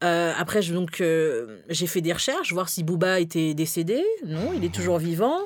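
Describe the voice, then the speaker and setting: Recorded with audible room echo and noticeable background noise, a woman with a fairly low pitch speaks at a fairly slow pace with lively intonation. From France, parents from Guinea-Bissau. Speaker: career coach for women of color. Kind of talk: casual chat.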